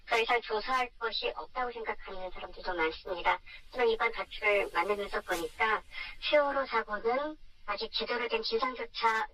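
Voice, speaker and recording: An electronically disguised, feminine-sounding voice of a radio interview guest speaking earnestly and formally in a measured way. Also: bright, forceful tone. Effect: electronic voice disguise, shifted high. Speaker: documentary maker, interview guest. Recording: muffled, distant phone-interview sound.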